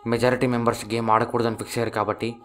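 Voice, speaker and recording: A man with a Telugu accent narrating a series plot in a quick, steady scripted telling. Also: mid-range voice, soft background music. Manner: fast, flat, steady telling.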